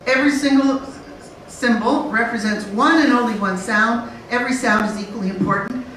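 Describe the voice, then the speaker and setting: A middle-aged woman giving an animated conference talk on teaching English, emphatic and full of rhetorical questions. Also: on the high side, moderate pace, slight background noise. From Canada. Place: conference room. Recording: echoey room, far from mic.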